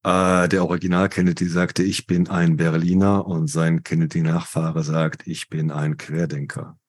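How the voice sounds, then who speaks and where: A man co-hosting a podcast discussion, talking in a measured way with frequent fillers. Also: low voice, level tone. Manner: slow, measured, with many fillers. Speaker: podcast co-host.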